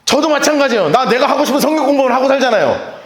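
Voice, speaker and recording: A male pastor preaching a sermon in a lively, storytelling way, often laughing as he talks. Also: very high voice, very fast, reverberant. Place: church sanctuary.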